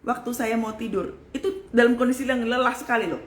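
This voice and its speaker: A woman pastor giving an earnest, emphatic sermon, calling her listeners "saudara" and swinging between loud exclamations and soft whispers. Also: on the high side, fairly even intonation, fairly quick. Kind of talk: live-streamed sermon. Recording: echoey room with faint ambient noise.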